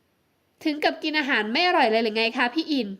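A woman's voice: high-pitched, brisk, a bit bright. A woman voicing a sly, teasing young woman. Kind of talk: audiobook romance novel acting.

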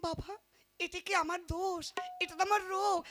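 A woman's voice: extremely high pitch, fairly even intonation, normal speed. A woman voicing a defensive young wife in a comic folk puppet play, pleading and plaintive. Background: folk instrumental music.

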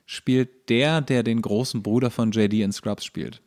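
A man's voice: mid-range voice, fairly even intonation, a little slow, darkish tone. A man co-hosting a podcast, chatting casually and eagerly explaining bits of trivia in a nerdy way. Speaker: podcast co-host. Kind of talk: casual chat about comics and series.

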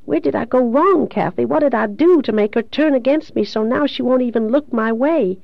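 A woman's voice: a little high, normal speed, vocal fry, dry recording, highs cut off, voice pushed up. A woman voicing a grief-stricken, devout young man in love in an audiobook, earnest and pleading. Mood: bewildered, hurt.

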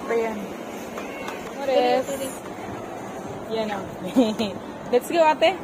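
A woman in her forties vlogs while shopping, holding her phone at arm's length and chatting to viewers about items in busy indoor supermarket aisles. Her voice is fairly high, expressive and very slow, and loud crowd and store noise fill the recording.

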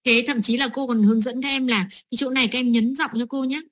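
A woman's voice: on the high side, steady tone, fast talker. A middle-aged woman training teachers, explaining lesson steps with many fillers and "right?" checks.

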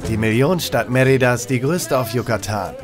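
A man giving a calm, informative scripted voice-over for a travel show. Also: medium pitch, fairly quick. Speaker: narrator. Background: background music.

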